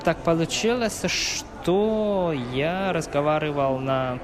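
Slow-speaking man, higher voice. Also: lively intonation, a crowd in the background. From Taiwan. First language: Atayal. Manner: slow, searching for words. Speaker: co-host. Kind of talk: casual chat on a museum tour. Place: museum exhibition.

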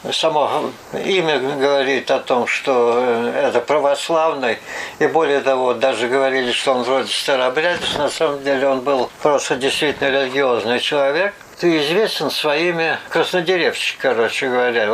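An older man from Russia recalling his early life for an oral history interview, unhurried and pausing often to gather his thoughts. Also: mid-range voice, fairly bright tone, a little hiss or hum, rough recording. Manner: unhurried recollection with hesitations and "вот" asides.

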